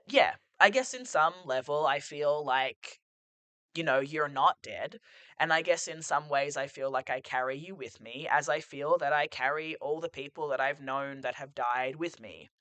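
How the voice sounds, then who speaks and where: A man's voice: a little high, moderate pace, bright, forceful tone, no echo. A man hosting a podcast as a reflective solo monologue, rambling and musing, full of "like" and "sort of", sitting on a couch at home and losing his voice a bit. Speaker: podcast host.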